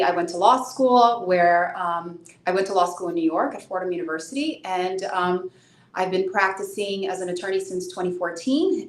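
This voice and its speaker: A woman's voice: medium pitch, reverberant. A woman in her thirties, born in Brazil with Portuguese as her first language, answering interview questions as an immigration attorney in an earnest, explanatory way, often repeating a word as she starts a phrase.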